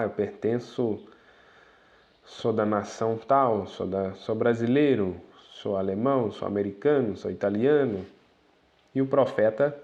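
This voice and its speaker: Preacher mixing readings and asides. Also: male voice, lowish voice, a little mellow, highs cut off. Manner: reads quoted passages aloud and breaks in with asides, "né?", to the brethren. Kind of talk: sermon reading and commenting on quoted teachings.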